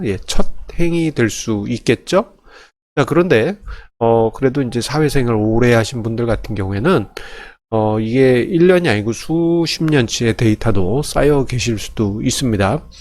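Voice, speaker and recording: A man's voice: medium pitch, animated, normal speed, a little mellow. A man explaining personal finance step by step as an instructor, in a conversational, polite way, often correcting himself. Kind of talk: informal spreadsheet tutorial, explaining step by step.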